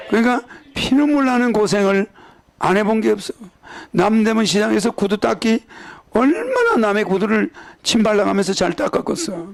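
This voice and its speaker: An older man with a Gyeongsang accent delivers a rambling sermon. His voice sits high and carries a gravelly rasp. He keeps checking in with his listeners through quick rhetorical questions. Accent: Gyeongsang Korean. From Gyeongsang region, South Korea. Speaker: religious leader.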